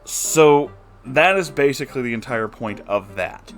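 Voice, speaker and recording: A man's voice: medium pitch, animated, unhurried, a bit bright, faint music behind. A man hosting a story-reading channel, giving casual, sarcastic commentary on a book he finds stupid. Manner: sarcastic, exasperated critic.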